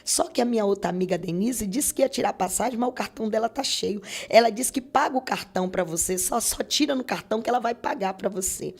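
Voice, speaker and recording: A woman's voice: mid-range voice, fast, hardly any pauses, husky. A middle-aged Brazilian woman telling a faith testimony as a podcast guest, earnest and repetitive, often acting out what others said. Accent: Brazilian Portuguese. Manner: earnest, repetitive storytelling, quoting others aloud. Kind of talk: spoken religious testimony.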